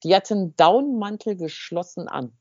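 A woman co-hosting a podcast, telling a story in a lively, casual way and acting out the dialogue. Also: medium pitch, moderate pace, no room sound, lo-fi sound. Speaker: podcast co-host.

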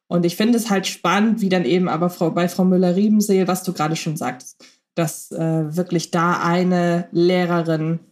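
A woman's voice: lowish voice, a little mellow. A woman co-hosting a podcast about radio plays, chatting casually with many fillers and restarts. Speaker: podcast co-host.

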